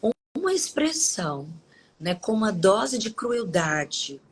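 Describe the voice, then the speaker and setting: A woman's voice: medium pitch, big pitch swings, slow pace, husky, rough recording. A woman hosting a Christian live stream, talking conversationally and reading scripture, often tagging her sentences with questions. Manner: conversational, with frequent tag questions and restarts. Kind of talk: devotional talk and scripture reading.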